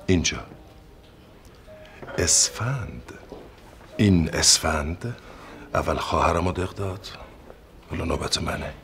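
An actor playing a stubborn, sarcastic uncle in a period TV drama, blustering and indignant. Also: male voice, sits low, expressive, gravelly, long pauses, fairly bright tone, soft background music, exaggerated voice. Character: stubborn sarcastic middle-aged uncle, innkeeper host.

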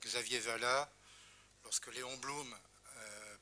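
A man's voice: medium pitch, fairly even intonation, takes it slowly, bright, forceful tone. A man giving an emphatic historical talk at a conference who rises on key words. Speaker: conference speaker.

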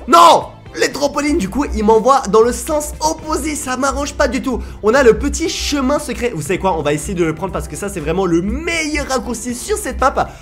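Young man, gravelly voice, excitable gameplay commentary, light music behind. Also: extremely high pitch. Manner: excitable, shouts and laughs often, addresses viewers as "les gars". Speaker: gaming YouTuber.

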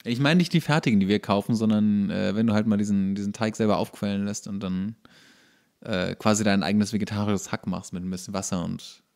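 A man in his thirties co-hosting a casual podcast, making dry, deadpan quips with hesitant fillers. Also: on the low side, a little fast, creaky. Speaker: podcast co-host. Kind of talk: casual chat.

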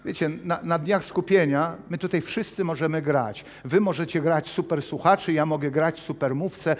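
A man in his fifties preaching a sermon with personal testimony in a small church hall, animated and gesturing as he paces. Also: on the high side, normal speed. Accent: Polish. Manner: animated, gesturing broadly while pacing the stage. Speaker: pastor.

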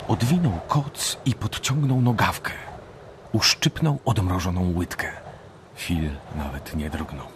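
A man narrating a macabre survival tale in a scripted radio play. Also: on the low side. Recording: clearly noisy radio drama recording.

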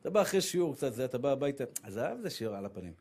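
A man giving a humorous sermon as a rabbi, telling lively stories and acting out the voices of the people in them. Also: mid-range voice, a little hiss or hum. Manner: animated storytelling, acts out voices of women and his wife.

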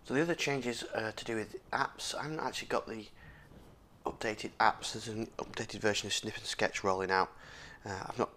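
Man, hoarse sore throat, lowish voice, loose tech walkthrough, fillers and restarts. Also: fairly even intonation, a little fast, sharp tone, slight background noise. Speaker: tech video host. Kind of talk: casual screen-recorded walkthrough.

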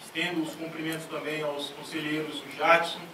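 A man's voice: on the high side, level tone, normal speed. A man, an agency director, giving a ceremonious formal speech at a conference panel into a handheld mic. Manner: ceremonious, greeting officials one by one. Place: large conference auditorium. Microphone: handheld mic, seated at a panel table. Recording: echoey hall from far off, clear noise.

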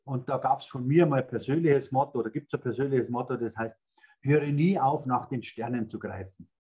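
A man's voice: medium pitch, normal speed, warm tone, husky, dull audio. Older Bavarian man telling stories. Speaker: guest, speaker agency founder. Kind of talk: casual interview over video call. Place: indoors, in front of a red stage curtain backdrop. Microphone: video call.

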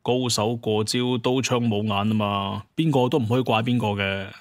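A man's voice: fairly low pitch, moderate pace, no echo, studio quality, lightly acted. Man acting shameless, wheedling hunter chief. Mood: glib, defensive. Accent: Hong Kong or Guangdong Cantonese. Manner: wheedling, self-excusing. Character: shameless, glib male hunter chief, playing innocent.

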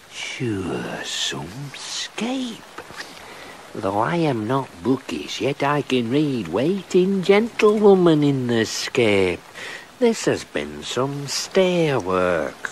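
An actor playing a grumbling old country shepherd in a radio drama, rustic and lively in his speech. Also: mid-range voice, slight background noise, full character voice. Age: older.

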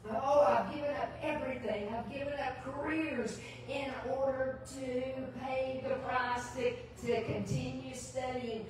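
A woman's voice: sits high, fairly even intonation, a little slow, a little mellow. An older, retired woman teaching the Bible in a devotional sermon, earnest and emphatic, repeating phrases for emphasis. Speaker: Bible teacher preaching in church. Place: large church sanctuary, indoors. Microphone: distant camera microphone. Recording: echoey church hall from far off, background noise.

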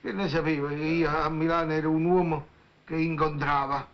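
An actor playing a blustering, defensive middle-aged uncle in an old film comedy. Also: male voice, on the high side, little pitch movement, moderate pace, slight background noise, lightly acted. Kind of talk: 1950s film comedy acting. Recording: dull old film audio.

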